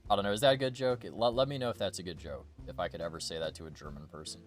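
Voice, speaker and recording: A man's voice: deep voice, steady tone, racing, soft background music. A young man chatting casually as a streamer, rambling and joking with plenty of swearing. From United States. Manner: rambling, jokey, profane. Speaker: VTuber streamer.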